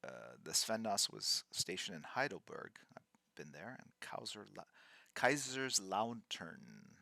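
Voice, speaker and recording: A man in his fifties chats through a live drawing stream, thinking aloud and stopping often as he reads viewer names. His voice is fairly low with a bright, gravelly edge. The sound is dry and close. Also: very animated, measured pace, dry recording. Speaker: livestream host. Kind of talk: casual livestream chat while drawing.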